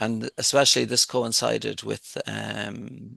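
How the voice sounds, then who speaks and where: A western Irish accent at a fairly slow pace. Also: man. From Ireland, Sligo. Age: 50s. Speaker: physiotherapist and researcher. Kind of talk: interview. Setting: call.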